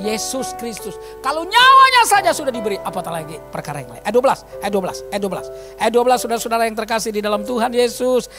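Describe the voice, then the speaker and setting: A man in his fifties preaching a sermon in a church, telling stories and swinging from quiet asides to loud calls. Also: high-pitched. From eastern Indonesia. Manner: animated storytelling, swings from quiet to shouting. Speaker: pastor. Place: church hall. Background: music.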